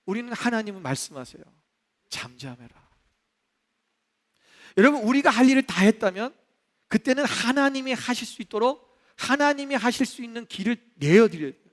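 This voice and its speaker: A male pastor preaching a sermon in a church, animated, acting out the voices he quotes. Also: very high voice, quick pace. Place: church sanctuary. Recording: long reverb of a church hall.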